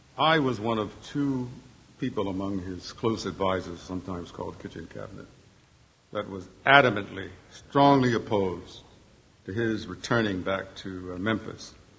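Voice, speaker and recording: Amid audible room echo, a man with a fairly low voice talks at a moderate pace, showing ordinary pitch variation and big swings in loudness. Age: 70s. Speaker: former advisor to a civil rights leader. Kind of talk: panel discussion. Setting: stage with audience.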